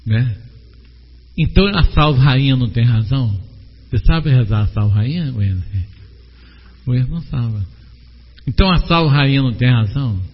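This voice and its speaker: A man's voice: medium pitch, expressive, normal speed, long pauses, breathy edge. A man preaching a sermon, questioning the congregation and calling on members by name. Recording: long hall reverb, dull lo-fi sound.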